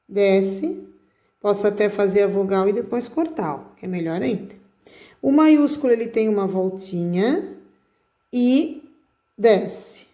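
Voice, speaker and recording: A woman teacher guides pupils through a handwriting lesson at an unhurried pace. Her voice is mellow and warm rather than bright. She coaxes gently and keeps checking that everyone is following. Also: medium pitch. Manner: coaxing, with frequent check-ins like "tá?" and "ó". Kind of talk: slow, patient handwriting lesson.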